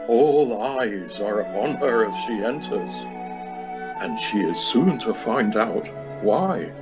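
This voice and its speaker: A man's voice: on the low side, expressive, takes it slowly, muffled recording, over loud music. A man narrating a scripted comic pantomime story, recorded remotely.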